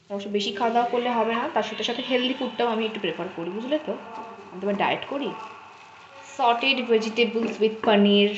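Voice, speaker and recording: A woman chatting casually to viewers in a home vlog, sometimes whispering softly so she won't wake anyone. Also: mid-range voice, lo-fi sound, a little hiss or hum. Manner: chatty, talks straight to viewers. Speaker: vlogger.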